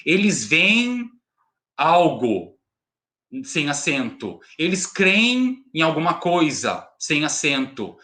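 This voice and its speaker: A Brazilian man teaching a recorded class, his fairly high voice bright and ringing. He explains step by step, swinging his pitch up and down, and keeps asking the students whether they follow. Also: sing-song, slow pace. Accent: Brazilian Portuguese. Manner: explanatory, frequent tag questions. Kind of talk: recorded remote class lesson.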